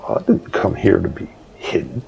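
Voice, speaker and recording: A man's voice: low-pitched, wildly swooping pitch, moderate pace, darkish tone, exaggerated voice. An actor playing a principled, defiant male reporter in an audio drama, earnest and insistent in his delivery. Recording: clearly noisy background, hobby recording.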